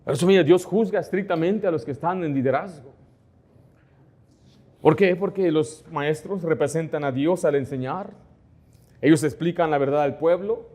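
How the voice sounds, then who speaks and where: A man's voice: fairly high pitch, normal speed, long pauses, darkish tone. A middle-aged man pastor preaching a sermon in church, asking the congregation rhetorical questions and acting out quoted conversations.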